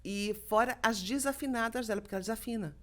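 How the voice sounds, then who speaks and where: This middle-aged woman from Brazil talks fast in a slightly high voice as a podcast guest. A voice actress, she spins lively anecdotes and performs the quoted dialogue within them.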